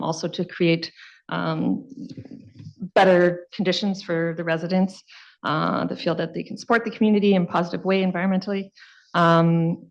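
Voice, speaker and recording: A woman's voice: fairly low pitch, dull audio. Canadian woman presenting a council report. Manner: plain, with frequent fillers. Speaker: city environmental lead. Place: council chamber.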